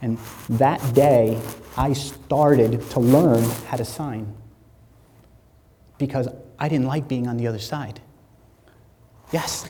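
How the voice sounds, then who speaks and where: At a fairly slow pace, a man speaks with a dark, mellow tone, a somewhat breathy quality, medium pitch and ordinary pitch variation. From New Jersey, US. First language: Spanish. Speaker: inspirational speaker. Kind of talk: keynote speech. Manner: animated.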